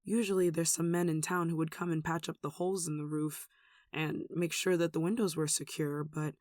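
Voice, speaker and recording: Casting: performer to play a caring nun for ASMR audio drama; soothing, wistful, intimate delivery at medium pitch, very dry close mic. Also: no echo, close to an everyday voice. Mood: weary, sad. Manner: tender, soothing, wistful, with sighs and soft chuckles. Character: gentle, protective young nun caring for a sick demon. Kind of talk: ASMR roleplay, soft intimate acting.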